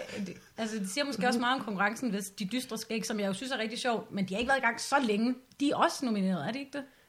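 Over noticeable background noise, a woman with a fairly high pitch speaks very fast with hardly any pauses and ordinary pitch variation. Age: 20s. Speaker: comedian. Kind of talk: casual chat. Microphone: far from the mic.

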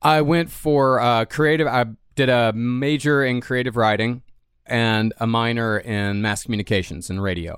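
In a very clean recording with a silent background, a man with an American accent and an unremarkable speaking voice talks at a moderate pace, medium in pitch with ordinary pitch variation. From small-town Texas. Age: 30s. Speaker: podcaster and writer. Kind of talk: interview.

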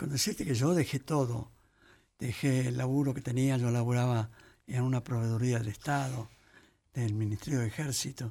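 Speaking at a moderate pace, a man with a medium pitch has a dark, mellow, somewhat breathy tone and fairly even intonation. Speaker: jazz drummer. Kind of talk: casual chat.

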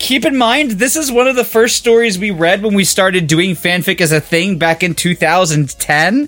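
A man speaks at a moderate pace with a high pitch and lively intonation, hardly pausing at all. Music plays in the background. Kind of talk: mock-epic announcer intro, then laughing banter. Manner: theatrical, gleeful, dry-humored.

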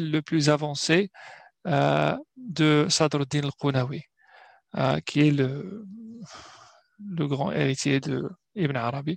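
A man with a non-native accent speaks at a very slow pace and fairly high pitch with ordinary pitch variation, the sound dry and close with no echo against a quiet background. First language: not French (speaking French). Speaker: professor of Islamic studies. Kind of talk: lecture. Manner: halting.

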